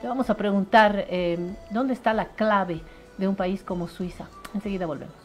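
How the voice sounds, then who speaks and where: A woman hosting a studio interview show, chatty and animated. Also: medium pitch, normal speed, faint music behind. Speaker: talk show host.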